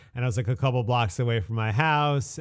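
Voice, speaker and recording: This man has a normal speaking voice, medium in pitch, with ordinary variation in his pitch. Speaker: podcast co-host. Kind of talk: casual chat.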